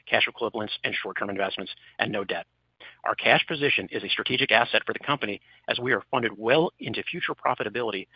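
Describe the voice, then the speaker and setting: A man's voice: medium pitch, breathy edge, no room sound. A man reading a scripted corporate financial presentation as a company executive. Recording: slightly dull conference call line.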